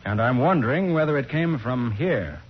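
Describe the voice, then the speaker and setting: An American actor playing a confident, sharp private detective in a 1940s radio crime drama, with an assertive, explanatory manner. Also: male voice, mid-range voice, lively intonation, moderate pace, a little hiss or hum, close to an everyday voice. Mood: confident, accusing. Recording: dull 1940s radio recording.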